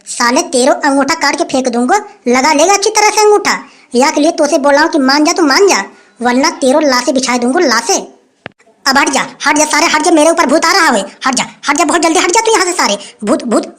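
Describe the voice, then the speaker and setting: Casting: male actor as a shrill, bullying village chief who keeps repeating his threats. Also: a bit bright. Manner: blustering, threatening, repeats phrases. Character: boastful greedy male village headman, blustering. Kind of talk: comic sketch acting.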